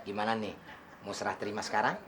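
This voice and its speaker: A man's voice: lowish voice, little pitch movement, fast talker, background noise, lightly acted. An actor playing a man pretending to be rich, showy and bossy, teasing his driver in a TV sitcom. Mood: boastful. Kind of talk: sitcom acting.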